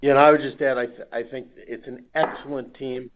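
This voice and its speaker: Low monotone guy, company exec on a call, tinny phone sound. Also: brisk. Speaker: company executive. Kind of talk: corporate earnings call answer. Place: conference call over phone. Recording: tinny phone conference line.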